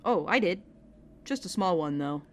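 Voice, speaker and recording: A woman plays a tough, sceptical sidekick with a fairly low voice. She is dry and blunt but loyal, in an audio drama scene with clear ambient noise underneath. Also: animated, normal speed, lightly acted. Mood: guarded. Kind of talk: audio drama podcast acting. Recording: clear background noise, ambient sound bed.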